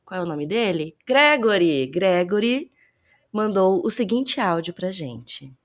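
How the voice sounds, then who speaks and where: A woman co-hosting a podcast in casual chat, lively and joking. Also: medium pitch, unhurried. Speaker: podcast co-host.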